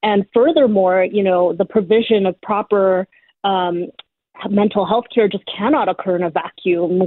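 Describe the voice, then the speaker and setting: Speaking at a fairly slow pace, a woman has a normal speaking voice. Her medium pitch shows ordinary pitch variation. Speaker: physician, guest. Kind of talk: radio interview.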